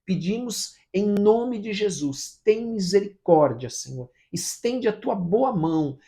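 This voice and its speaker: A Brazilian pastor reading scripture and then leading a fervent morning prayer, full of repeated pleas. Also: male voice, high voice, lively intonation, takes it slowly, creaky, warm tone. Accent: Brazilian Portuguese.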